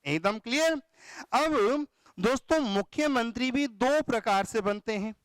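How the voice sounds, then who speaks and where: Man, teacher, exam-prep lecture, high voice, dry close sound, asks and answers own questions. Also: a bit bright, clean tone, no room sound. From Rajasthan, India. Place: classroom or studio.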